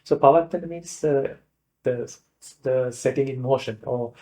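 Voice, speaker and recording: A man with a soft, mellow tone and a Sri Lankan accent teaches as a monk would in class. His pitch sits in the middle range, and he explains things informally, pausing often to find another wording. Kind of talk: informal lecture.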